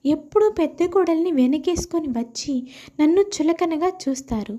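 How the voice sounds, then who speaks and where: A woman's voice: high-pitched, normal speed, dark tone, slight background noise, natural voice. A woman voicing a wronged young daughter-in-law who protests outspokenly in a family moral story. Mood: hurt, protesting.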